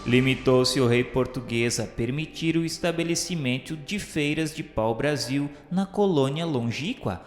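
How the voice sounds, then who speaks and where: A man with a Brazilian accent reading solemn, formal scripted narration for a radio novela in a measured, literary way. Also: mid-range voice. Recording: echoey hall reverb, music underneath. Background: background music.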